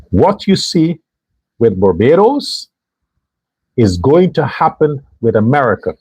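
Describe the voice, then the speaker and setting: A man's voice: a little high, a little mellow, husky, no echo, rough recording. A man hosting a political commentary show, delivering an emphatic monologue straight to his viewers. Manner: emphatic, talks straight to viewers, mock voices for others.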